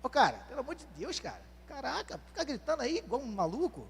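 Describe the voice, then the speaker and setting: Pastor fazendo homens zombeteiros mandando calar. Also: male voice, very high voice, sing-song, takes it slowly, pushed and bright, heavily acted. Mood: scornful. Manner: dismissive, scolding. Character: scoffing male bystanders hushing a beggar. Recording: long church hall reverb.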